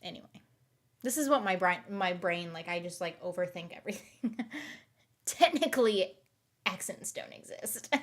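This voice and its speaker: A woman's voice: on the low side, lively intonation, normal speed. Chatty woman with a light Southern accent. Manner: rambling, giggly, restarts and overthinks aloud. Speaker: live streamer. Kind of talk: casual chat with stream viewers.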